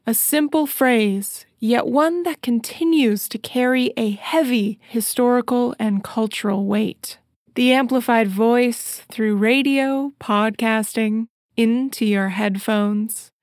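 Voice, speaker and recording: A woman narrating a radio documentary in a scripted, measured and deliberate way. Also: on the high side, darkish tone, no room sound, studio quality.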